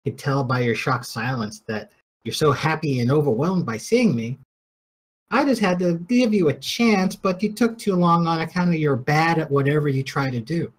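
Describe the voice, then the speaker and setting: A woman at the gaming table, her voice low-pitched but swinging widely up and down. She plays her character with cocky, sarcastic banter. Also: lively intonation, moderate pace. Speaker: player.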